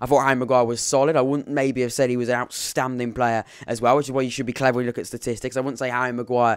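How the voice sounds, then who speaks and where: Very fast speech with an English accent and monotone, flat intonation. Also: man. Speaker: football podcast host. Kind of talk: live stream match reaction. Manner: halting, many repetitions.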